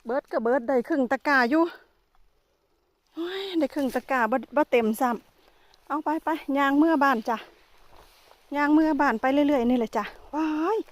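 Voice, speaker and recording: A woman's voice: sits high, moderate pace, pauses often. A woman with an Isan Thai accent chatting casually as she vlogs outdoors in a forest, exclaiming often. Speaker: vlogger. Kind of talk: casual vlog narration.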